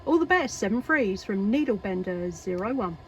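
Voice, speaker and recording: A woman's voice: medium pitch, expressive, normal speed. A woman with an English accent chatting casually as a CB radio operator, in a hesitant, chatty way. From England. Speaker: CB radio operator and video maker. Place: workshop at home. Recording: noisy, radio static and hiss.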